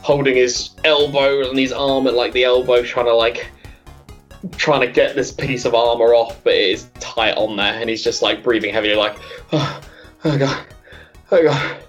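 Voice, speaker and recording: A man narrates as game master of a tabletop game, loose and chatty, his descriptions full of fillers and little laughs. His pitch sits in the middle range. A faint music bed plays under him. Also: little pitch movement, moderate pace, dull audio.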